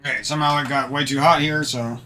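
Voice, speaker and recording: A man's voice: medium pitch, fairly even intonation, fast talker, bright, forceful tone, faint music behind. A man talking to his stream viewers into a desk microphone from a room at home, venting about past relationships in a rambling, profane way with many restarts. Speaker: gaming streamer.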